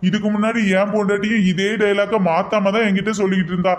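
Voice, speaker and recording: A man's voice: high-pitched, little pitch movement, fast, natural voice. A man voicing an exasperated brother-in-law in a cartoon comedy, pleading his case in long, complaining appeals. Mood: aggrieved.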